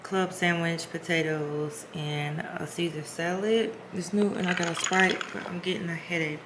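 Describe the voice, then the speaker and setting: A woman's voice: on the low side, steady tone, normal speed. Woman vlogging from her hotel room, candid and sweary, roomy echo and background noise. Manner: chatty, candid, swears freely. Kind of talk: casual vlog chat.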